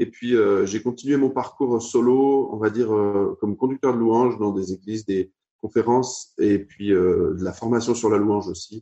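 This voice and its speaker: A man speaks at a moderate pace in an ordinary speaking voice, medium in pitch with fairly even intonation. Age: 40s. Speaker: worship leader and musician. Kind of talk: interview. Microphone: possible audio problems and lag.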